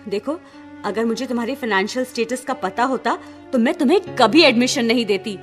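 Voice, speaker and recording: An actress playing a snobbish, scolding school principal in a Hindi radio play. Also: female voice, a little high, fairly quick, soft background music, lightly acted. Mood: stern, reproachful. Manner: scolding, haughty.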